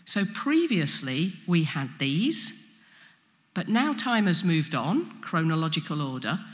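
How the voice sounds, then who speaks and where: A woman preaches in an East Midlands accent with distinctly flat vowels. Her delivery is unhurried and lively in pitch, explaining each point and leaning on key words. The sound carries a long hall reverb. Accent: East Midlands English, Leicestershire. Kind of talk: sermon.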